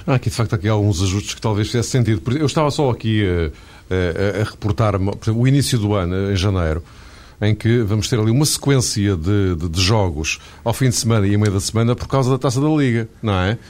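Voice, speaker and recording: Low-voiced panel commentator. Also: male voice, fast, a little mellow. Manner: questioning, tag questions, restarts. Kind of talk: studio panel discussion.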